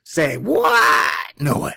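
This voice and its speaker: A man's voice: fairly high pitch, big pitch swings, extremely slow, gravelly, sharp tone, husky, no room sound. A man with a Texan accent hosting a casual one-take vlog, reading a science article aloud with jokey, self-deprecating asides. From Texas. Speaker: channel host. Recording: dry, close lo-fi home recording.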